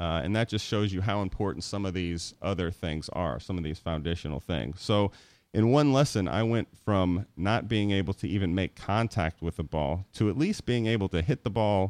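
A man with a very deep, low pitch and lively intonation at a moderate pace, the sound dry and close with no echo against a quiet background. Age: 40s. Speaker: podcast host. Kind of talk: casual monologue.

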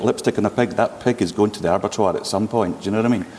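Through noticeable background noise, a man's fairly low voice comes across with fairly even intonation. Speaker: technology executive. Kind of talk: live panel discussion. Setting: stage with audience.

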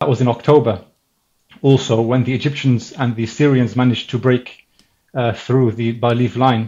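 This man's voice is somewhat breathy and medium in pitch. His intonation is fairly even. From Palestine. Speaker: Islamic scholar and writer. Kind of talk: interview.

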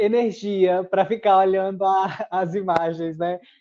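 A man's high-pitched voice at a very slow pace. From Bahia, Brazil (interior). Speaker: painter. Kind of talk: casual chat. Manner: halting, many fillers.

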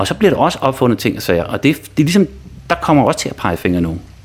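The voice rushes along at a very fast pace with very wide pitch swings. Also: man. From Denmark. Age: 50s. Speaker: podcast co-host. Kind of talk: casual chat. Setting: outdoor terrace.

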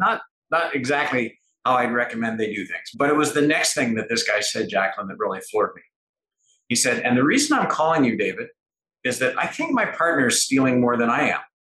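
At a very fast pace, a man talks with a bright, sharp tone and lively intonation. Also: fairly high pitch for a man. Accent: Canadian Maritime. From Canada, Halifax, Nova Scotia. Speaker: forensic accountant and private investigator. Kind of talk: interview.

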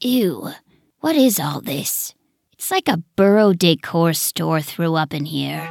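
A woman hisses through a put-on character voice, fairly low-pitched and at a fairly slow pace. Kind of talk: snide. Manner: hissing, disgusted.

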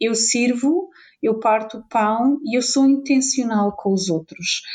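A woman speaks with a European Portuguese accent. Her pitch is high, with ordinary pitch variation. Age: 40s. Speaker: pastor's wife and author. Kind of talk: podcast interview.

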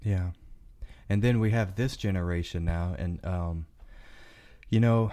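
The voice has a dark, mellow tone and an American accent with ordinary pitch variation. The recording is very clean, with a silent background. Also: man. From South Louisiana (Acadiana). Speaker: media professional. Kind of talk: casual chat. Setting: studio.

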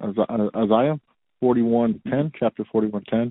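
Here is a man with an American accent. His pitch is medium, with ordinary pitch variation. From Texas, Leander Cedar Park area. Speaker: diesel mechanic. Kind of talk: casual chat. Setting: at home. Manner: halting.

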